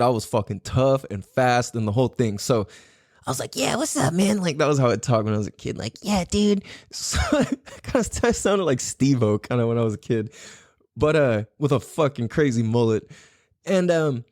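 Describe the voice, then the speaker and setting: A man's voice: mid-range voice, a little mellow, dry recording, clean studio sound. A young adult man hosting a podcast, telling a rambling, profane story in a casual solo style. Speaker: podcast host.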